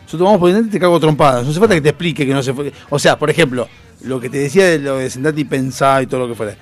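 A man's voice: medium pitch, very fast, faint music behind. A man with a Rioplatense Spanish accent, co-hosting a radio show in heated casual banter, blunt and swearing freely.

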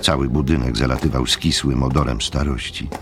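A man with a deep gravelly voice narrating a scripted audiobook story. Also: steady tone, a little fast, background noise.

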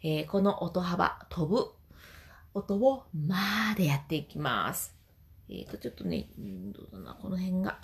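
A woman vocal trainer explaining voice exercises gently and singing short demonstrations. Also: on the low side, big pitch swings, normal speed. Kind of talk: voice training lesson.

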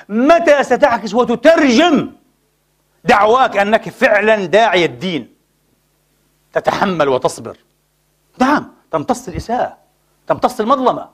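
A male preacher from Palestine delivers an impassioned sermon in a mosque. His voice sits high and he talks quickly, moving between casual everyday speech and formal phrasing. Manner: impassioned, mixes colloquial Arabic with formal speech. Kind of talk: Friday sermon.

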